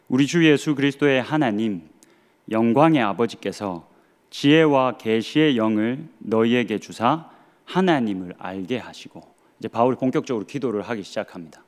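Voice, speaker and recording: With a mid-range voice and a Gyeongsang Korean accent, this man in his thirties, a pastor from that region, delivers an earnest sermon. He mixes in rhetorical questions and touches of dry humor.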